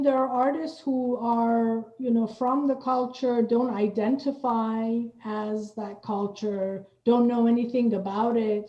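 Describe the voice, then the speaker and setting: A woman hosting and moderating a panel conversation, phrasing her points in a measured, deliberate way. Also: fairly high pitch, warm tone. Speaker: host and moderator, theater company representative. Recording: roomy, muffled online-call audio.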